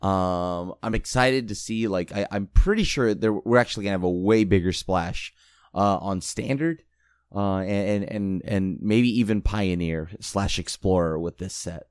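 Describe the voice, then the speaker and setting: Hoarse man with a low, dry voice. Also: no echo. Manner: halting, repeats words while searching. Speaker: podcast co-host. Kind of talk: casual podcast chat.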